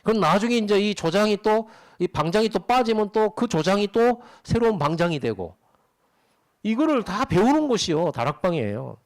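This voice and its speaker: A middle-aged male pastor preaching a sermon in a chatty, animated manner. His voice sits a little high and swings up and down a lot as he asks the congregation questions. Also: normal speed.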